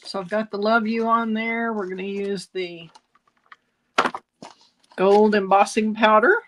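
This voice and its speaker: A woman's voice: mid-range voice, a bit bright, slight background noise. Chatty woman demonstrating card crafts. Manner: chatty, self-correcting, laughs at own jokes. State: slight cough. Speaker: card-making instructor. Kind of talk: casual craft tutorial.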